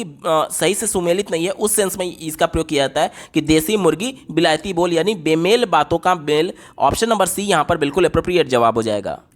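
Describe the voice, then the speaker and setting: A man working through exam questions one by one, explaining each option step by step in a steady teaching voice. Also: high-pitched. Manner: explains step by step, often repeating "ye galat ho gaya". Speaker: exam tutor. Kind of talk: exam paper walkthrough.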